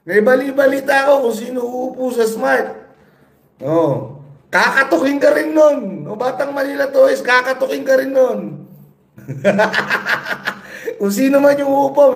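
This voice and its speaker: A man's voice: extremely high pitch, expressive, a little slow, gravelly, roomy sound. A man giving a profane, angry political rant with mocking rhetorical questions, recorded on a cellphone. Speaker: political vlogger. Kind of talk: profane ranting commentary.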